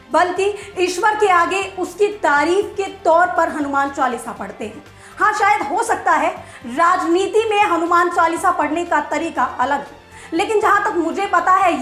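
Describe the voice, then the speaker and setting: A woman's voice: extremely high pitch, bright, forceful tone. A woman news presenter delivers scripted commentary, emphatic and rhetorical with a sarcastic edge. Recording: echoey room with music behind.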